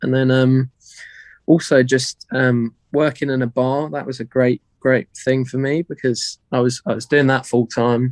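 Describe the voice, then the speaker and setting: In a British accent, a man at a medium pitch speaks in a flat monotone, the sound dry and close with no echo. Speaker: professional magician. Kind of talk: podcast interview. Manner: hesitant, many fillers.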